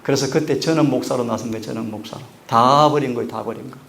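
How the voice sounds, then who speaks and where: A man preaching a sermon, acting out scripture dialogue with big swings in pitch and loudness. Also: quick pace, gravelly, slight background noise. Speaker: pastor.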